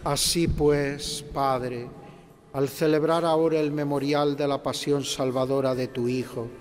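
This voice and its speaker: A middle-aged man, a priest, reciting liturgical prayers in a slow, measured, solemn way at an altar microphone in a large cathedral. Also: mid-range voice, steady tone, a little mellow. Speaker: priest celebrating Mass. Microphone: stand microphone at the altar. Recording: cathedral reverb, faint ambience.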